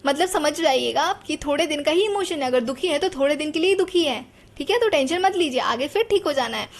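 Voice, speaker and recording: High-voiced chatty woman teacher. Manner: chatty, asks the class rhetorical questions. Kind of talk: explaining a psychology lesson.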